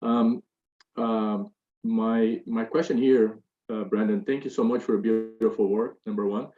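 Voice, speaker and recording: A man's voice: fairly low pitch, fairly even intonation, a little slow. A man asking a long, hesitant question from the audience at a panel, with many fillers and restarts. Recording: roomy, dull room audio.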